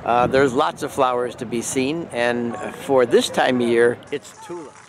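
A man in his sixties from Michigan, chatting in a relaxed, gentle way with pauses and fillers as he vlogs outdoors. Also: mid-range voice, background noise. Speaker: nature vlogger. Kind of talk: casual outdoor vlog narration. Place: outdoors in a park, later indoors at home.

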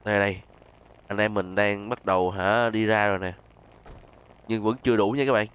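A man's voice: on the low side, flat delivery, normal speed, fairly bright tone, clean tone, dull audio. A man with a southern Vietnamese accent hosts a gaming video, giving casual gameplay commentary to his viewers.

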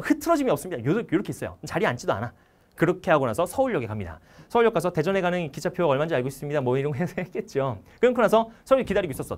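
A male history instructor telling anecdotes at a fast clip, and his pitch leaps around as he acts out the people in them. His voice sits a bit high for a man. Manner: animated, acts out dialogue. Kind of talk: anecdotal storytelling talk.

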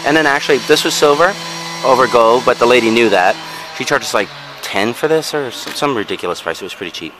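Talking fast in a mid-range voice, a vlogger rambles casually through things he bought for resale, often saying um and correcting himself. He films outdoors on a backyard patio with a handheld camera, and the rough recording plays over music.

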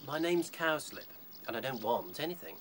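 A man's voice: medium pitch, very animated, moderate pace, a bit bright, a little hiss or hum. A British man acting a suave, languid, aloof rabbit in a radio play, speaking formally and without hurry. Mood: aloof, courteous.

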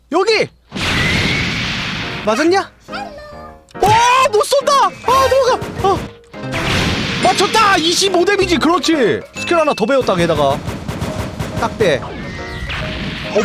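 A young woman gives lively, excitable commentary as she plays, talking to herself and crying out when things go wrong. Her voice sits fairly high and swings widely in pitch. Game music plays clearly behind her. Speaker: game streamer. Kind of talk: casual gameplay commentary.

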